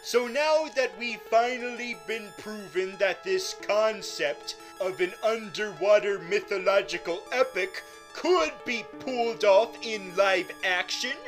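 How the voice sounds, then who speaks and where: A high-voiced, twitchy small-time supervillain, put on by a man, stumbles and stammers through his questions, repeating words as he rambles. He talks slowly over steady background music. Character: nervous lesser-known male supervillain interviewer. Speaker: interviewer.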